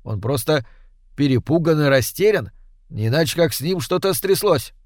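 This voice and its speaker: A man doing a calm, kindly young Viking. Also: fairly high pitch, normal speed, dry recording, clean studio sound, close to an everyday voice. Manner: calm, reasoning.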